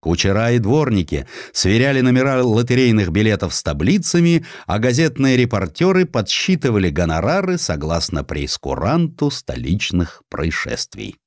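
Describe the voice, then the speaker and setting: A man's voice: on the low side, sing-song, moderate pace, few pauses, no echo, clean studio sound. A man narrating a satirical historical story as an audiobook, in a theatrical, ironic storytelling manner.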